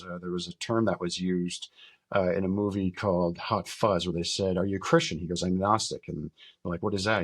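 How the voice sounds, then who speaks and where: A middle-aged American man from northern Minnesota talking reflectively as an interview guest, candid and halting in his delivery. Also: sits low, breathy edge. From northern Minnesota, United States. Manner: candid, halting, casually profane. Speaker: podcast guest, military veteran and survival instructor.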